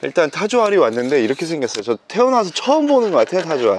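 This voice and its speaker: A man is speaking. His pitch swings very widely. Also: dry sound with no echo. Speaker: mukbang video host. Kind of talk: casual vlog chat. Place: open country. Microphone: lapel.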